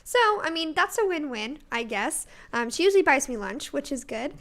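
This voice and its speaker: A woman's voice: sits high, expressive, moderate pace. A young woman moderating a student panel on a video call live stream, chatty and friendly with some fillers. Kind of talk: casual live stream hosting.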